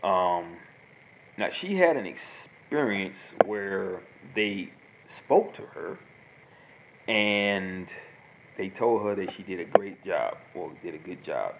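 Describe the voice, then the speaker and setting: Brief: man, lower voice, rambling host monologue, hiss in the background. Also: expressive, takes it slowly, vocal fry. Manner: rambling, repeats himself, many fillers. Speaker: host answering viewer questions. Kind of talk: casual monologue. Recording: noisy home recording.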